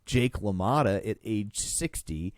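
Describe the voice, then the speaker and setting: A man's voice: lowish voice, lively intonation, measured pace, no echo, studio quality. A man on a film podcast panel giving casual opinions in a wry, emphatic way. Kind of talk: casual opinionated movie discussion.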